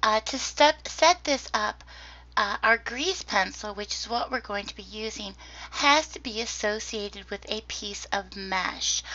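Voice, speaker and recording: Slow-paced and fairly high-pitched, this woman's voice shows vocal fry, big swings in loudness and ordinary pitch variation. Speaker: 3D modeling tutor and virtual world creator. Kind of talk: software tutorial. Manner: hesitant with many fillers.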